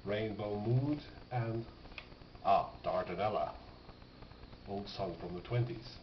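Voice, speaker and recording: A man's voice: on the low side, slow. A man giving casual, off-the-cuff commentary as he presents a collection, musing aloud and often questioning himself. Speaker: record collector presenting finds. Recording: dull lo-fi, noisy, roomy sound.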